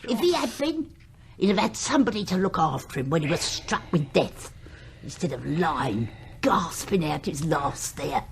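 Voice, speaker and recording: Brazen, low-voiced charwoman. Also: big pitch swings, normal speed, a little hiss or hum. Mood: defiant, scornful. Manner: blunt, indignant, self-justifying. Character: brazen, defiant working-class charwoman. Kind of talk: period radio drama acting.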